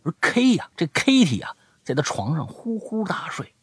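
Animated husky male podcast host. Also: a little high, normal speed, no echo. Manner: animated storytelling, drops to a whisper for suspense. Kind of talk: retelling listener stories in casual chat.

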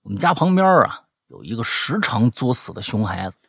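A man hosting a chat show, reading listener letters aloud and teasing them with animated, mock-indignant commentary. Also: fairly low pitch, fairly quick, vocal fry, slightly rough, no echo, studio quality. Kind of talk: comic commentary on listener stories.

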